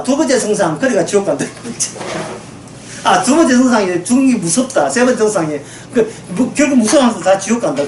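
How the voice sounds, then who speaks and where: Recorded at a distance in an echoey room with faint ambience and slight background noise, this is a woman with a voice on the high side delivering a sermon. Her preaching is emphatic and full of rhetorical questions, and she frequently pushes the audience for agreement.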